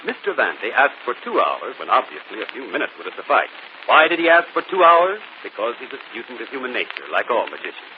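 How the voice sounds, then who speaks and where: An actor playing a brilliant, self-assured gentleman detective in a 1940s radio mystery, explaining calmly. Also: medium pitch, fast talker, close to an everyday voice. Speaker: detective and show host. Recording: muffled old radio broadcast, faint hiss.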